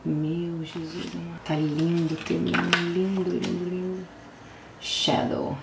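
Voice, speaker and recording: A woman's voice: lowish voice, little pitch movement, slow pace, creaky. Gushing Brazilian woman in a roomy space. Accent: Brazilian Portuguese. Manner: gushing and exclamatory, slips into hushed whispers and sudden squeals. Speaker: vlogger. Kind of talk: album unboxing chat. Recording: roomy echo, faint background noise.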